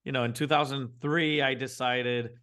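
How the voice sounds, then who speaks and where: A man, telling his business story as a guest in a casual interview, animated and often restarting his sentences. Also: mid-range voice, moderate pace, clear, resonant tone. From Venezuela. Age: 40s. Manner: animated, frequent restarts, acts out his own thoughts. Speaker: guest entrepreneur.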